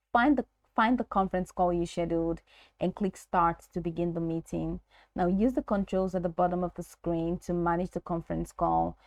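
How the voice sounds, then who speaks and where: A woman presenting a step-by-step software tutorial in an instructional manner, reading from a script with the occasional stumble. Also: on the low side, dry recording.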